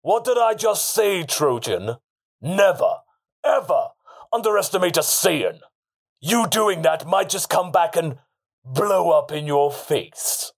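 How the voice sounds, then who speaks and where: A man voicing an arrogant male warrior prince, smug and slow, in a slightly raised voice. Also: on the high side, lively intonation, pitched above the performer's own voice, exaggerated voice.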